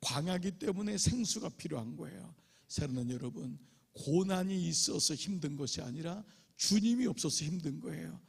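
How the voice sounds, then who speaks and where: A male pastor delivers an emphatic revival sermon in a church sanctuary. His voice sits a little high, with a gravelly, husky edge. He drops into acted quotes now and then.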